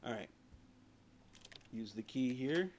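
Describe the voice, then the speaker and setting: A gameplay streamer rambles casually through let's-play commentary, crude and animated, constantly saying "like" and swearing. His voice is mid-range and darkish, his pace slow, and the audio is a noisy home stream picked up by a PS4 streaming mic.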